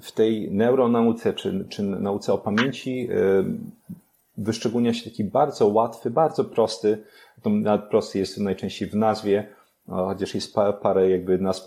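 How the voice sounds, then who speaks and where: Man calmly explaining, low mellow voice. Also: vocal fry. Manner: explains step by step with many fillers and restarts. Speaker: podcast guest, memory and learning expert. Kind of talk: explanatory podcast talk.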